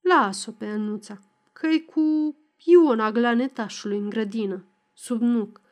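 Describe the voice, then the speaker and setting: A woman voicing an ashamed young peasant man speaking quietly so others won't hear. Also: fairly high pitch, lightly acted. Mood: hushed. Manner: quiet, hushed.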